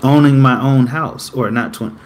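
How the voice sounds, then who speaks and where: A man's voice: medium pitch, steady tone, normal speed, slight background noise. A man in his late twenties, talking casually to camera in a rambling way that often corrects itself. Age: 20s. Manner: rambling, self-correcting, upbeat about himself. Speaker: vlogger.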